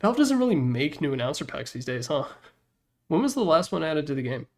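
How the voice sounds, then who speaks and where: A man with a higher-pitched, slightly mellow voice talks fairly quickly, his pitch swinging widely. He's a host ranking game announcer packs, rambling casually with blunt, candid, sweary commentary. He records in his room on a Yeti desktop microphone.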